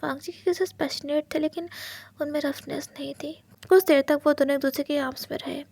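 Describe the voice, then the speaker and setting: A woman narrating a romance story in whispered role-play, hushed and intimate. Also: high-pitched, fairly even intonation, fairly quick, vocal fry.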